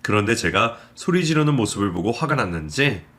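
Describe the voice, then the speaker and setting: Lively male story narrator. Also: fairly low pitch. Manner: steady, measured storytelling.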